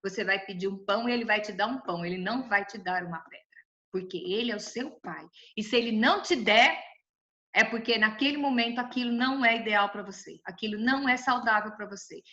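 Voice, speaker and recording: A woman with a Brazilian Portuguese accent teaching a Bible study in a colloquial, lively way, with playful asides. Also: medium pitch, a little fast, lo-fi sound.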